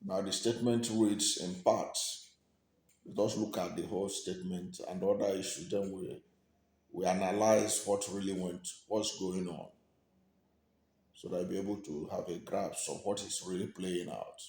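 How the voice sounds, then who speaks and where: An echoey room surrounds a man with a low voice and a Nigerian accent. He delivers news commentary as if to the record, breaking sentences into short, weighted phrases. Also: fairly even intonation, moderate pace, a little mellow. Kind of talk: news commentary, reading out statements.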